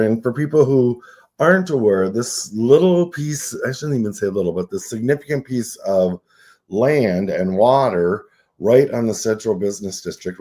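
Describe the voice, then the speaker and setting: A man in his sixties with a fairly low, warm voice speaks as a nonprofit CEO guesting on a casual radio interview. He is reflective and earnest, often checking in with "right?".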